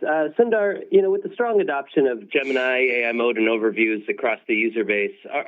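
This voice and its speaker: Male analyst on a thin phone line. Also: medium pitch. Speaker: financial analyst caller. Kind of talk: earnings call question.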